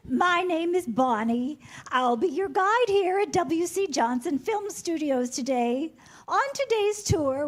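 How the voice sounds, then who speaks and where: Woman playing a bubbly, high-voiced tour guide. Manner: bubbly, announcing to a group. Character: bubbly, excitable female studio tour guide. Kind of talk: staged screenplay reading.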